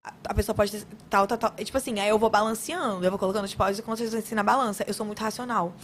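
A young woman from Acre in Brazil, a podcast guest telling stories in fast, animated casual chat. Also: mid-range voice, a little hiss or hum.

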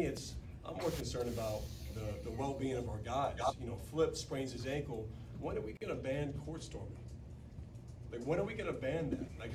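Brief: basketball coach at a post-game presser, firm and earnest, heard from off-mic with room noise. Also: male voice, mid-range voice, distant mic. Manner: earnest, firm, repeats key points.

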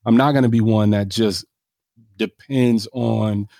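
A man's voice: on the low side, steady tone, a little slow, gravelly, dark tone, dry recording, studio quality. A man with an African American accent talking casually in an interview, emphatic and self-assured, often punctuating his points with "right?". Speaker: real estate developer being interviewed.

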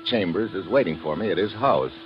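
An actor in a 1950s radio drama playing a tough, wry American government agent, clipped and sardonic. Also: male voice, deep voice, lively intonation, fairly quick, loud music behind the voice. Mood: wry, probing. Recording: dull, noisy old radio recording.

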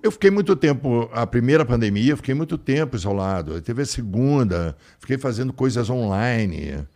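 A man from Rio talking as a guest in a casual interview, rambling warmly with many restarts. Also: mid-range voice, big pitch swings, fairly quick. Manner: warm, rambling, affectionate storyteller with frequent restarts.

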